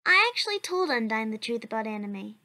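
A woman's voice: a little high, very animated, a little fast, pushed and bright, exaggerated voice. A woman voicing a kind, cheerful, determined young child in a cartoon comic dub, with an earnest, chatty manner. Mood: upbeat, chatty.

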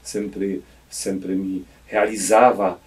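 Polish accent guy, bishop, slow and hesitant, kinda low voice, sitting a bit back from the studio mic. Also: level tone, a little mellow, recorded from a distance. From Poland. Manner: reflective, hesitant with many restarts. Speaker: auxiliary bishop. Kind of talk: radio interview. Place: radio studio. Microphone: studio mic on boom arm.

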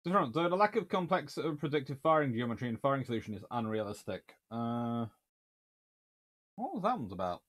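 A man's voice: mid-range voice, sing-song, fairly quick, a bit bright. A man, casually answering viewer questions from a home study, chatty and wry with dry humour. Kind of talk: casual livestream Q&A. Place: small home study with bookshelves.

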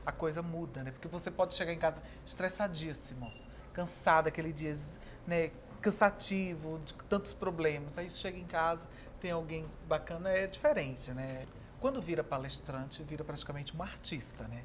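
A woman's voice: deep voice, normal speed, slight background noise. A woman in her thirties with a Brazilian accent, hosting an interview in a chatty, agreeable way. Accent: Brazilian Portuguese. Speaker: talk show host. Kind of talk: interview chat. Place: pink decorated studio set, indoors.

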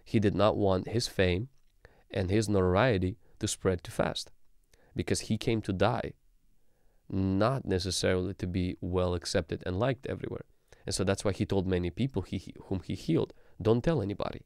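A man in his thirties, a pastor, teaching calmly on a livestream into a studio mic in a small room, with frequent ums. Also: low voice, normal speed, gravelly, dry recording. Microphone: studio mic on boom arm.

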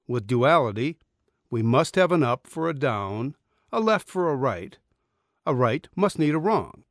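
A middle-aged man reading a spiritual essay as an audiobook narrator, earnest and deliberate, close on a studio microphone in a small booth. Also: medium pitch, very animated, no room sound. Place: small dim recording booth. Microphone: studio condenser microphone, close.

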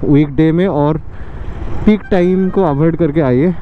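A man's voice: on the high side, a little slow. A man with an Indian accent chatting casually as a motorcycle vlogger, thinking aloud as he rides and mixing in English phrases. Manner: unscripted, thinking aloud while riding. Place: outdoors on a moving motorcycle. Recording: muffled helmet mic with loud wind, road noise.

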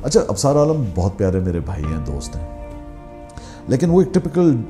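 Mellow-voiced man telling career stories. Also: mid-range voice, normal speed, soft background music. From Pakistan. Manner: animated storyteller, mixes English phrases into his speech. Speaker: media veteran recounting his career. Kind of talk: candid memoir conversation.

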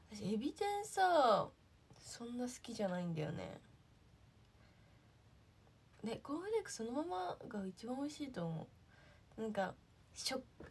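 A woman's voice: a little high, darkish tone, husky. A young woman, an idol, chatting casually on a livestream, answering viewer comments and thinking aloud with lots of fillers.

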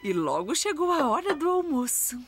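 A woman's voice: high voice, very animated, normal speed, slight background noise. A woman as the storyteller narrating a small boy's adventures in a scripted children's cartoon. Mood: storytelling.

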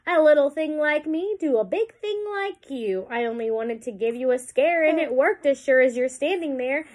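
Woman as a little male mouse, squeaky-high, lively pitch swings, cheeky, bold, emphatic, storybook. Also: normal speed. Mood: cheeky, coaxing. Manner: emphatic, pleading, theatrical.

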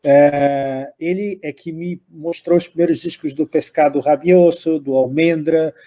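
A man's voice: on the high side, steady tone, unhurried, dark tone. A Brazilian man, older, hosting a music program and talking unscripted, rambling with frequent restarts and tag questions. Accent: Brazilian Portuguese. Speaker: music show host. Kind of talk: unscripted spoken commentary.

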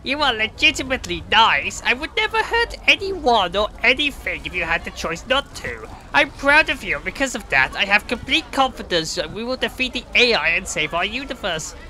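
A man's voice: very high-pitched, big pitch swings, moderate pace, hardly any pauses, pushed and bright, exaggerated voice, poor audio. A man voicing a small, loyal talking toy bird in an amateur audio play, earnest and emphatic.

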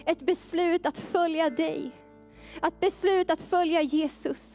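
A woman's voice: very high voice, steady tone, darkish tone, faint music behind. A woman preaching at a youth service, shifting into fervent, repetitive prayer. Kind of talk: sermon with prayer.

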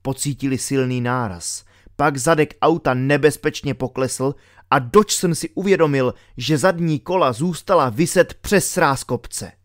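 Male audiobook narrator, dramatic, steady, dry close sound, mid pitch. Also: no echo. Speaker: audiobook reader.

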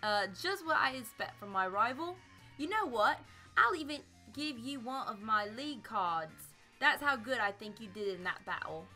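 A woman's voice: a little high, animated, normal speed, bright, forceful tone, faint music behind. A young woman in her twenties chatting and reacting while live-streaming a game, her voice a little tired from nights of streaming, laughing and singing along now and then. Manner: chatty, bubbly, laughs often, sings along. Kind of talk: live gameplay commentary.

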